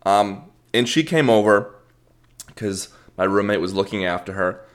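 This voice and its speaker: A young adult man hosting a podcast tells a rambling, self-deprecating story, swearing casually along the way. His voice is lowish and unhurried.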